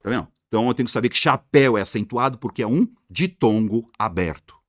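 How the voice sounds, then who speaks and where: A man with a Brazilian accent giving an energetic grammar lesson, talking in slang and answering his own questions. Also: medium pitch, fast talker, no room sound, clean studio sound. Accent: Brazilian Portuguese. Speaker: Portuguese grammar teacher.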